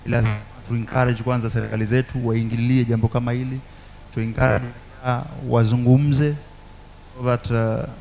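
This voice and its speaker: A man's voice: mid-range voice, darkish tone, slight background noise. A man with an East African accent, a native Swahili speaker, speaking earnestly as a guest in a talk show discussion. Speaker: panel guest. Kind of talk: talk show discussion, mixing two languages.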